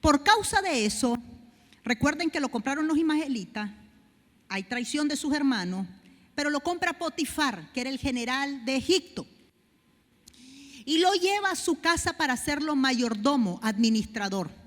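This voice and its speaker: A woman pastor preaching a sermon, building to loud, fervent declarations. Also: high-pitched, sing-song, normal speed. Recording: long hall reverb.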